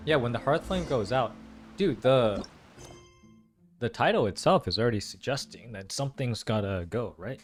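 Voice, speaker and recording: A man's voice: mid-range voice, animated, moderate pace, soft background music. A young man giving casual, slangy gaming commentary with lots of exclamations. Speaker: game streamer reacting to a story quest.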